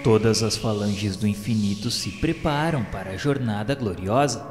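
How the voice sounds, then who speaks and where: A man's voice: fairly low pitch, normal speed. A Brazilian man reading scripted narration for a religious radio serial in a solemn, formal, literary manner. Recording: long hall reverb. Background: music.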